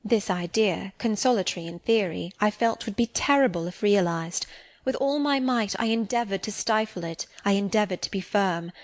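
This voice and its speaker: A woman narrating an audiobook of a classic novel in a measured, expressive reading. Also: medium pitch. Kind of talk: scripted narration.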